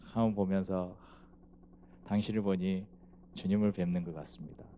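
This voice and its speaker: Talking at a fairly quick pace, a man uses a fairly low pitch with a dark, mellow tone and ordinary pitch variation. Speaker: lecturer at worship school. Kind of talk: lecture. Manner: fast.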